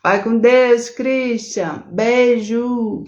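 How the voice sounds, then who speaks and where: A woman's voice: on the high side, very slow, darkish tone, dull audio, a little hiss or hum. Brazilian woman, middle-aged, therapist hosting a live stream; chatty, teacherly, lots of tag questions. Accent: Brazilian Portuguese. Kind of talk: casual live-stream talk, reading viewer comments.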